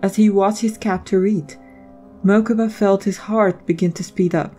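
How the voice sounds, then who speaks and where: A woman's voice: mid-range voice, fairly even intonation, normal speed, dark tone, soft background music. A woman reading scripted story narration as the narrator of a drama.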